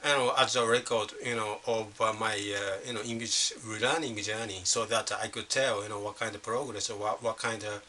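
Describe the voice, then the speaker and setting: Halting middle-aged Japanese man, bright edge. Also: on the low side, fairly even intonation. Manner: halting, leans on constant "you know" fillers and restarts. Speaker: vlogger. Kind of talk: unscripted casual monologue.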